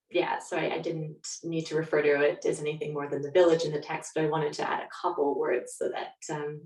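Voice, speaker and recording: A woman with a slightly low voice talks conversationally as an interviewed author. The sound is roomy and echoing, and she sits some distance from the microphone. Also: darkish tone. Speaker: guest author.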